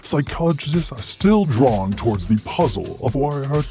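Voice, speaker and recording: A man talking through a deep demon voice-changer effect, playfully reading a news item on a podcast. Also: lively intonation, moderate pace, mellow, faint music behind. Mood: gleeful. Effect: deep demon voice-changer filter.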